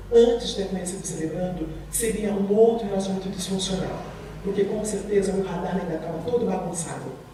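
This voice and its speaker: A woman giving an earnest testimony sermon in a church, speaking with emphasis and addressing the congregation warmly. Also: fairly low pitch, a little hiss or hum. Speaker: speaker at a church recovery program. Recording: very echoey hall, from far off.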